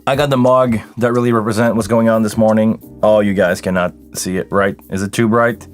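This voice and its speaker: A man's voice: lowish voice, steady tone, brisk, faint music behind. A tired man, hosting a casual livestream Q&A and chatting with viewers by name. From Quebec, Canada. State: tired, voice deeper than usual this morning. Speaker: live sound engineer hosting a livestream.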